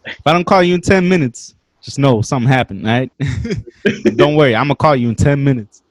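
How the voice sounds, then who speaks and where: A man in his twenties casually telling a story on a podcast, animated and slangy, swearing freely. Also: medium pitch, fairly quick, no echo. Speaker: podcast guest.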